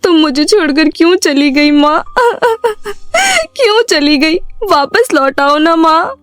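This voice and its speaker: A gentle, mistreated young heroine in an animated bedtime tale. Her voice is very high, soft and pleading. Quiet music sits underneath. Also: slow pace, no echo, exaggerated voice. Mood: sad. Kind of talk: animated storybook voice acting.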